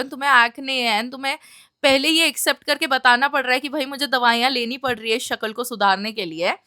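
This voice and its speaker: A young woman telling a story in a casual vlog, animated and mixing in English phrases. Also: sits high, dry recording, clean studio sound. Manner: animated, mixes Hindi and English. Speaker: vlogger.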